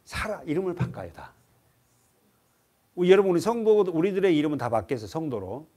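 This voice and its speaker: A male pastor preaches in a church, his fairly high voice swinging widely up and down. He puts questions to the congregation and answers them himself. He also has them read passages aloud. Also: big pitch swings, fairly quick, dark tone. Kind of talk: expository sermon.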